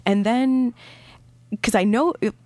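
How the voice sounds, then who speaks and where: Woman host asking eager questions, mid pitch, dry close sound. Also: takes it slowly, a little mellow, dry recording. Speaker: interviewer. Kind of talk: radio interview.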